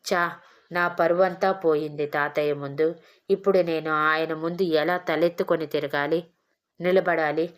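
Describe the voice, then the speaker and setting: A woman's voice: low-pitched, steady tone, normal speed, close to an everyday voice. A woman voicing a bold young husband who teases and mocks his shy wife, in a storybook reading. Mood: angry.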